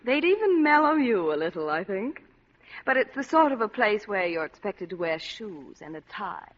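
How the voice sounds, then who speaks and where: A woman's voice: mid-range voice, sing-song, moderate pace. A woman playing a flirtatious, scheming wealthy wife with a coy, teasing manner in a vintage radio drama. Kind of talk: 1940s radio acting. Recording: muffled old radio broadcast with music.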